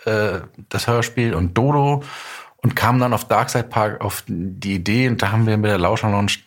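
Low-voiced middle-aged man, husky edge. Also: normal speed. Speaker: guest, audio drama writer and director. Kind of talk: casual interview storytelling.

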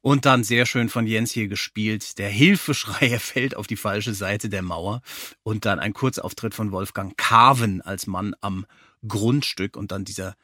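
A man's voice: on the low side, measured pace, sharp tone, dry recording. Enthusiastic man chatting, dry close sound. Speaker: podcast co-host. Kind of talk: casual review chat.

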